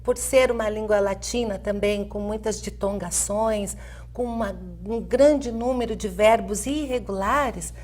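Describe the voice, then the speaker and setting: With a fairly high but darkish voice, a middle-aged Spanish teacher from Brazil talks as a guest in an interview, her Brazilian Portuguese accent clear. She hesitates with fillers, often adds "né?" and laughs lightly while explaining.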